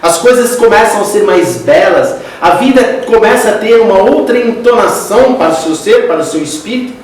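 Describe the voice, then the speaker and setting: Brazilian male lecturer, conversational, higher-pitched, distant in a very echoey hall. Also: expressive, brisk. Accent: Brazilian Portuguese. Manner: conversational, addresses the audience as "gente". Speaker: spiritist lecturer. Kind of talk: religious lecture.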